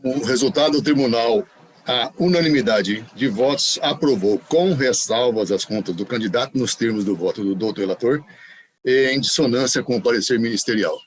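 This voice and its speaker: A man presiding over a court session, announcing results and calling cases in a steady, formulaic way. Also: medium pitch, moderate pace. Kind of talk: formal announcements.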